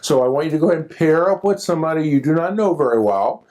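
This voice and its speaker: A man's voice: fairly high pitch, expressive, quick pace, darkish tone. Man leading a teacher workshop. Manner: repeats "okay" and "as far as" often. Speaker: workshop facilitator. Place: classroom workshop.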